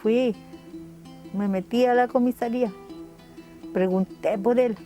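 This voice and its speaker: A woman's voice: on the high side, steady tone, unhurried, dark tone, soft background music. An older woman with a Chilean accent gives a heartfelt documentary testimony, acting out the dialogue as she tells it. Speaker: mother of a political prisoner.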